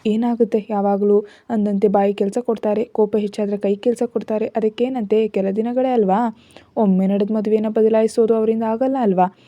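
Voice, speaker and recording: A woman's voice: medium pitch, steady tone, moderate pace, dry recording, dull audio, lightly acted. Woman voicing an exasperated young husband.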